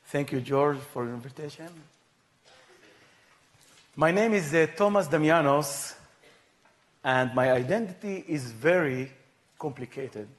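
A man from Israel, giving a personal testimony in slow, measured, plain phrasing. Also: on the high side, animated, a little hiss or hum. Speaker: guest speaker.

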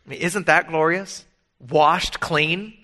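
Bright-voiced man preaching earnestly. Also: fairly high pitch, steady tone, takes it slowly. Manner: earnest, emphatic preaching with personal stories. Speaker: pastor. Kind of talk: sermon.

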